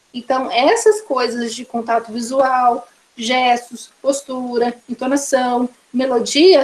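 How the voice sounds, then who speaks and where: A woman's voice: high-pitched, darkish tone. A woman with a Brazilian Portuguese accent teaching a course, explaining by listing examples one after another. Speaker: course instructor. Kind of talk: online course lecture.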